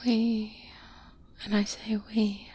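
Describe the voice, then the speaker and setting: A woman playing a seasoned vampire hunter, a calm and protective mentor, in a soft-spoken ASMR roleplay, hushed and breathy, close to the microphone. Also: mid-range voice. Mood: grave, reflective. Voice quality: breathy, whispery. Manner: slow, deliberate, hushed, with long pauses. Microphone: close-up binaural microphone.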